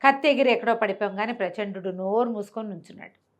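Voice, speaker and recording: A woman's voice: medium pitch, fast. Telugu woman telling a folk tale. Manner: animated explaining, acts out dialogue in own voice. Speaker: storyteller. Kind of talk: conversational oral storytelling of a folk tale.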